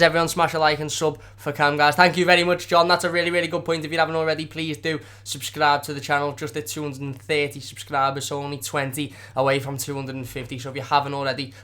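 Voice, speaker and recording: A young man with a hoarse, sore-throated voice runs a live football review stream from home. He talks quickly in a slightly raised pitch, passionate and rambling, repeating words as he goes. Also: a bit bright. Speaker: football fan channel host.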